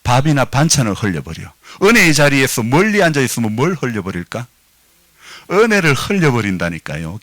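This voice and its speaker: A middle-aged male pastor from Gyeongsang preaches in a low voice that rises and falls with animated swings. His accent colors every line as he calls for amens and teaches. The sound is dry and close, with almost no room echo. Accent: Gyeongsang Korean. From Gyeongsang province, Korea. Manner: lively preaching, calls for amens, explains dialect to the congregation. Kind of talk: sermon. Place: church sanctuary.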